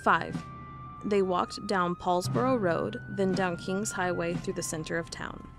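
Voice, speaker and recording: A woman's voice: on the low side, steady tone, a little slow, vocal fry, music in the background. A woman playing a wry, curious investigator who records a log and reads old case files in an audio drama. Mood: dry, official.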